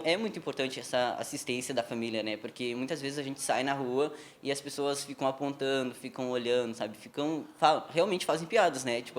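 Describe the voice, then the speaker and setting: A man's voice: mid-range voice, a little hiss or hum. A young man telling a personal story in a TV interview, informal, with frequent tag questions. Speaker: interview guest. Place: television studio.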